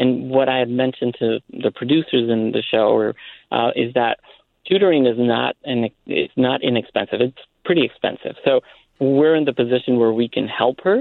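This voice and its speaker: With a plain, everyday voice, a man speaks at a medium pitch and moderate pace with ordinary pitch variation. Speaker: caller, parent. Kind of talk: call-in conversation. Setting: phone call.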